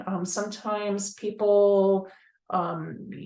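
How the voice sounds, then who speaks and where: This is a woman speaking at a medium pitch. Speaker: UX researcher. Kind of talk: webinar presentation. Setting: online webinar. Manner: hesitant, many fillers.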